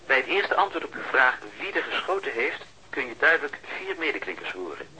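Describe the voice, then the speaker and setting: Bright-voiced, fussy male sound technician. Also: medium pitch, sing-song, brisk, slight background noise, poor audio. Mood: explaining, polite. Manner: hesitant, pedantic, explains step by step. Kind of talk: radio drama acting.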